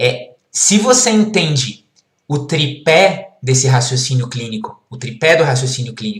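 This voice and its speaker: A man's somewhat breathy, fairly high voice, animated in tone, with lively intonation at a fairly slow pace. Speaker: psychology teacher. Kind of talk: live online lecture. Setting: YouTube livestream.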